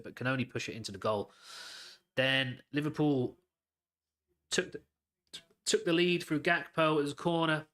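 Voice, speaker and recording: A man's voice: medium pitch, a bit bright. A man hosting a live football watchalong, calling the play and ranting bluntly with lots of swearing. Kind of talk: live match commentary and rant.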